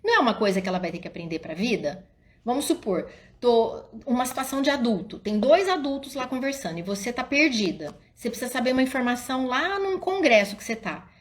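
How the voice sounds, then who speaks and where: A middle-aged woman psychologist, talking casually to parents in a live stream and acting out little scenes as she tells them. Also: quick pace. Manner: animated storyteller, often addresses listeners as "gente"; drops soft and low when quoting her own calm words to the child.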